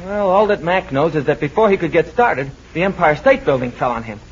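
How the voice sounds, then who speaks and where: A man's voice: fairly high pitch, expressive, fairly quick, lightly acted. A man playing a slangy, wisecracking young sidekick. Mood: wry. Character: wisecracking young male sidekick with a tommy gun. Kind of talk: 1940s radio acting. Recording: dull, hissy old radio recording.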